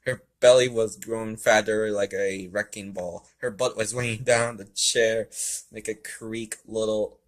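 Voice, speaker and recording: A man's voice: on the low side, steady tone, a little slow. A man casually reading a story aloud and commenting as an amateur video host, often stumbling over and repeating his words. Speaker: amateur fan fiction reader and video host.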